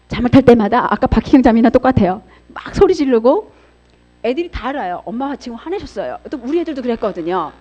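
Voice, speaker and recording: A middle-aged woman, a pastor's wife, giving an expressive church seminar sermon, swinging between loud and hushed as she acts out voices. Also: sits high. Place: church hall. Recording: dull lo-fi sound.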